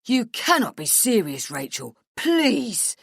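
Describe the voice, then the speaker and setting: A woman's voice: sits low, very animated, normal speed, dry recording, clean studio sound. Woman voicing an exasperated, blunt male boss. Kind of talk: audiobook character dialogue.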